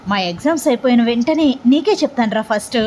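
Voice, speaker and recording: A woman's voice: a little high, expressive, fast talker, a little mellow, slight background noise, natural voice. A woman voicing a chatty, playful young man who complains and teases.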